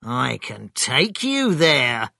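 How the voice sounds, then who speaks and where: A storybook narrator voicing an angry, excitable male farmer with a barking, forceful manner. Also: mid-range voice, very slow, vocal fry, dry recording, clean studio sound, heavily acted. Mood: eager, excited. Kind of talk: children's storybook character voice.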